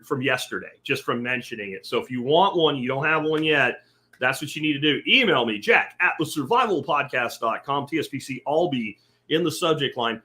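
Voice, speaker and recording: A man's voice: on the high side, pushed and bright. A middle-aged man from central Pennsylvania hosting a podcast, talking in a casual, folksy and emphatic way, including sponsor reads. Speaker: podcast host.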